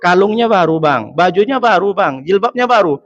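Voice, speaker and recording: A man's voice: sits high, animated, normal speed, lo-fi sound. A male preacher voicing a chatty, complaining wife who nags her husband in a whiny voice. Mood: nagging. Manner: whiny, nagging, repeated "Bang".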